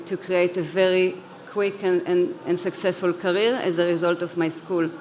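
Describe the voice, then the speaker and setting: A woman's voice: mid-range voice, a little hiss or hum. A woman who grew up in Israel, speaking earnestly on a conference panel, with a few restarts and repeated words. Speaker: panelist, head of an education organization. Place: conference hall.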